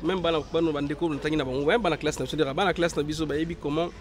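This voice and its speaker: Hoarse young man, hesitant interview talk. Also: a little high, steady tone, racing. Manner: hesitant, many fillers and restarts. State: hoarse from a cold. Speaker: interview guest, actor. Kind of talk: casual interview, mixing French and Lingala.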